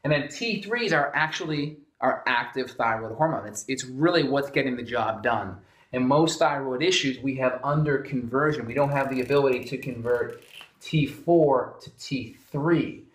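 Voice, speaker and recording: Man, middle pitch, doctor teaching at a whiteboard, explanatory, roomy echo. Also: normal speed. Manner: explanatory, repeats "so again". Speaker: functional medicine doctor. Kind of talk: whiteboard health lesson.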